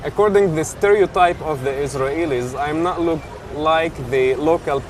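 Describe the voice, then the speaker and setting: A man's voice: fairly high pitch, moderate pace. Man, from Jerusalem, broken English, earnest, outdoor noise. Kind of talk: interview answers.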